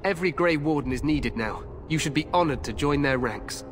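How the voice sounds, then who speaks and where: A man's voice: a little high, expressive, brisk, a little hiss or hum, lightly acted. An actor playing a proud, eager young king in a fantasy game, with a regal, grandiose manner. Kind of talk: fantasy video game acting.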